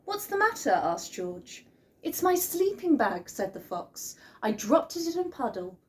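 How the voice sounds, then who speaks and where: A woman reads a children's storybook with expression. Her fairly high voice rises and falls animatedly, at a slow pace. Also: big pitch swings, a little mellow, slight background noise. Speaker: school staff member reading a picture book. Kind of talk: children's storybook read-aloud.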